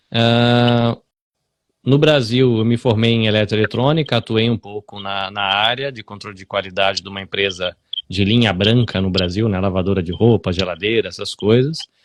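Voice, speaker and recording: In an unremarkable speaking voice, a man with fairly low pitch talks at a moderate pace with ordinary pitch variation and big swings in loudness, the sound dry and close with no echo on a very clean recording with a silent background. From Brazil, Salvador (Bahia). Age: 40s. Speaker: podcaster and communicator in immigrant community. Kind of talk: interview.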